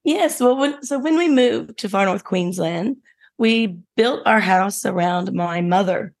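A middle-aged Australian woman, husky today, telling her story as a podcast guest in an upbeat way. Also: mid-range voice, measured pace. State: husky, not her normal voice. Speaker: guest, business founder. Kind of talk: casual interview chat.

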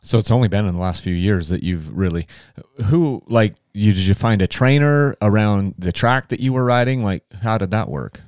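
A man's voice: on the low side, moderate pace, darkish tone, no echo, clean studio sound. A man hosting a casual interview, who rambles and restarts his questions often. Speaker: podcast host.

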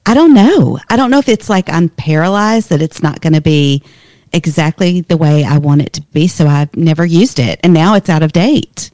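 A woman's voice: sits low, lively intonation, normal speed, darkish tone, no echo, studio quality. A woman talking casually as a guest on a talk show. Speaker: podcast guest. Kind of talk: casual chat.

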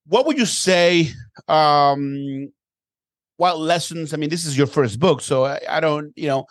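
A man hosting an interview show, energetic and upbeat, often repeating his first words as he starts a question. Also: on the high side, unhurried, no echo, studio quality. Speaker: podcast host.

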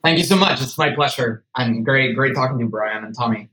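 A man's voice: mid-range voice, brisk, bright, forceful tone, poor audio. A man in his thirties, from Venezuela, a startup founder answering podcast interview questions in an earnest, conversational way with fillers and restarts.

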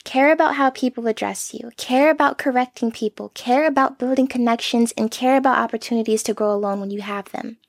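A young woman hosting a solo podcast, talking in a soft, earnest, self-reflective way into a close mic. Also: a little high, a little fast, gravelly, few pauses, no room sound. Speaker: podcast host.

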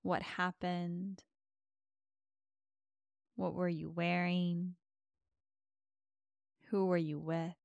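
A woman with a slightly low, smooth voice guides a mindfulness practice. She speaks softly and gently, leaving space between soothing instructions. The sound is clean and dry, close and clear. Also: little pitch movement, dry recording, lo-fi sound. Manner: gentle, slow, spacious instructions with long pauses. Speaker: meditation podcast host and guide. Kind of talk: soft, soothing guided meditation.

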